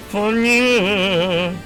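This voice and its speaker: A game streamer with a high-pitched voice chats casually with his live audience. He jokes, swears freely, and breaks into sudden loud outbursts.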